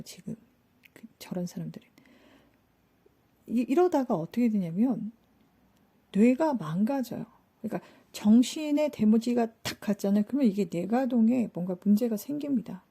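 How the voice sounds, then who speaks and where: A woman hosting a spiritual talk, telling an anecdote in a casual, animated way, acting out quoted lines and asking the listeners rhetorical questions. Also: on the high side, slightly rough. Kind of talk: casual storytelling lecture.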